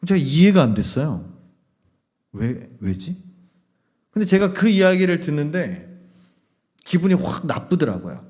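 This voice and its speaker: A man's voice: a little high, big pitch swings, a little slow, long pauses, a little mellow. A man preaching a revival sermon as a pastor, telling a story and acting out its dialogue in several voices.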